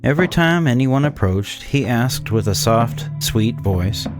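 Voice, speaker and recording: A man playing a cynical, disdainful 1800s swindler, narrating a gothic horror tale in a measured, condescending way. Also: mid-range voice, lively intonation, faint music behind, close to an everyday voice. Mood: grim, detached. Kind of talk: scripted dramatic horror narration.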